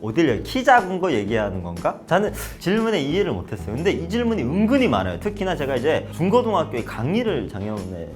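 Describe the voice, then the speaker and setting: A man's voice: a little high, fast, hardly any pauses, soft background music. A young man from North Korea talking casually to camera, telling stories with acted-out quotes. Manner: lively storytelling with acted-out quotes. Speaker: vlogger.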